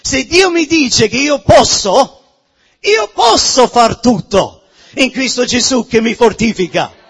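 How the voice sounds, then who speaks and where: Male pastor, non-native speaker, impassioned sermon delivery, husky timbre, very high pitch. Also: lively intonation, takes it slowly, big-room sound. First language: not Italian. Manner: fervent preaching, often shouting, with sudden drops to a hush.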